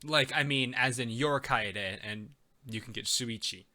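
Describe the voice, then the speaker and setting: A man's voice: medium pitch, a little slow, bright, forceful tone, no echo. A man streaming a game, chatting casually with viewers, laughing often and reading chat aloud. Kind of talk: casual let's-play commentary.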